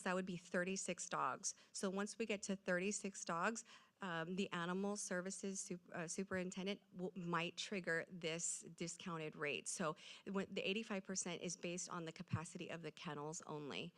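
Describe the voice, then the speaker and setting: Female city staffer, lower-pitched, explaining policy at a public meeting. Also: fairly even intonation, moderate pace, a bit bright. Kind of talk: answering council questions at a public meeting.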